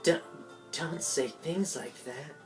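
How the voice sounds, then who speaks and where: A soft-spoken, timid schoolgirl, played by a woman, low in pitch and mature for her age. She speaks quietly and hesitantly, as a game character. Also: slow, faint music behind. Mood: flustered.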